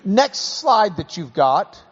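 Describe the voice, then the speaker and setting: A man's voice: high voice, sing-song, breathy edge. Folksy Texan man hosting in a hall. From Texas. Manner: folksy and joking, slows things down to explain. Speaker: host. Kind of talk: live interview before a class. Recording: dull audio with long hall reverb.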